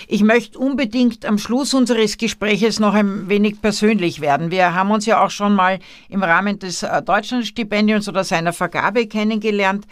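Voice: medium pitch, a bit bright, no room sound, studio quality. A university interviewer asking questions in a conversational way, with frequent fillers.

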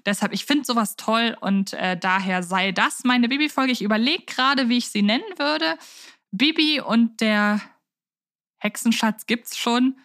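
Chatty woman podcast host, higher-pitched dry sound. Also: measured pace, a bit bright, no echo. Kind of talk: casual fan podcast discussion.

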